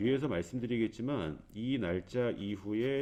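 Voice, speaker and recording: A man speaks at a fairly slow pace in a fairly low voice. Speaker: labor attorney lecturer. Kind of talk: lecture. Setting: recorded alone in a room. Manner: loud. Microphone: muffled by face mask.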